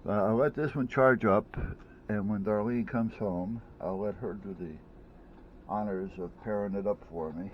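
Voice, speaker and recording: A man with a voice on the low side chats casually at home about a headset he bought, rambling through an unboxing with lots of restarts and fillers. He's a gadget-review vlogger speaking at a moderate pace, and the audio is dull with slight background noise.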